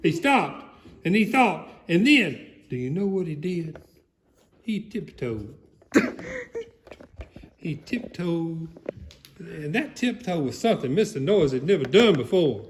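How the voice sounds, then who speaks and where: A man's voice: very animated, slow pace, long pauses, noisy background. A man voicing a goofy alligator who reads a storybook aloud theatrically, rambling and prone to laughter. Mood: hammy, amused. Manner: theatrical, booming shouts, rambling, breaks into laughter. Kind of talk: comedic dramatic storybook reading.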